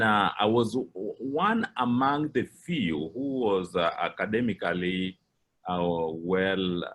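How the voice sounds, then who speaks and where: A middle-aged man with a Kenyan English accent, giving a personal account as a guest speaker, measured and pausing with frequent fillers. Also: on the low side, a bit bright. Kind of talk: personal account in a lecture talk.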